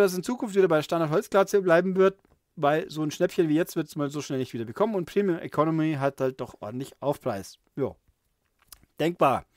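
A man's voice: a little high, dry recording, clean studio sound. A man hosting a podcast alone, reading a viewer's letter aloud and commenting in a casual way, with many fillers and restarts. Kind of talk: casual solo chat.

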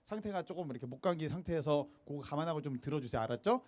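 A young man emcees a street stage at night, talking quickly in a high, lively voice. He speaks into a handheld mic outdoors and keeps pumping up the audience. He has a cold. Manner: upbeat, hypes the audience. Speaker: street busking show host. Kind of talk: lively emcee patter to a crowd.

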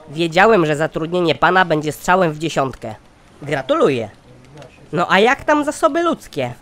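High-pitched pompous cartoon company boss. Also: male voice, fairly bright tone. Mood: smug, pleased. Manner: formal, pompous, sardonic. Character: pompous, exasperated male company chairman, scheming boss. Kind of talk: satirical cartoon dialogue.

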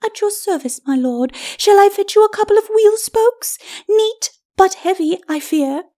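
A woman's voice: very high voice, expressive, normal speed, warm tone. A woman voicing a scornful, embittered skeleton wife in a storybook, with arch, cutting, formal archaic speech. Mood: mock-polite. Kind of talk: storybook character acting.

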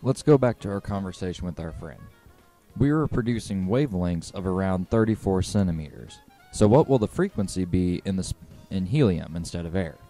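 A man with a low, mellow voice narrates a scripted physics lesson. He explains methodically, one step after another, with music playing behind him. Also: expressive, a little fast.

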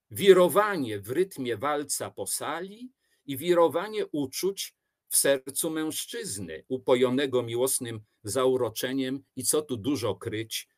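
A man giving a measured, explanatory literature lecture. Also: mid-range voice. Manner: measured, explanatory, with expressive rises and falls. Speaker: teacher.

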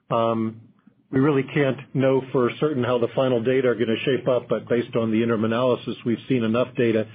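Husky executive on a phone line. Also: male voice, medium pitch. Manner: measured, corporate, carefully qualified. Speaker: company executive answering analysts. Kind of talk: investor call Q&A, spontaneous formal answers. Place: conference call. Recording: muffled narrow phone line.

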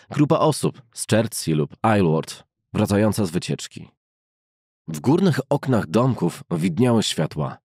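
Man, audiobook narrator, lowish pitch, husky grain, measured literary delivery, very dry close sound. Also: a little mellow, no room sound. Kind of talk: scripted literary narration of a classic novel.

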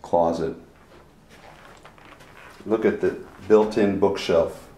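A man's voice: low voice, fairly even intonation, slow pace, dark tone. A man giving a terse, disapproving, off-the-cuff walkthrough narration as a realtor inspecting an empty home. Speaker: realtor filming a property inspection. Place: indoors, empty townhouse rooms. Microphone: handheld camera microphone. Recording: echoey empty rooms, faint background noise.

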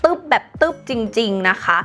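A woman's voice: normal speed, bright, forceful tone, soft background music. A woman in her thirties, chatty and enthusiastic, giving a casual makeup review as a vlogger at home. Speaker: beauty vlogger. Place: home, near a window where a lawn mower is heard.

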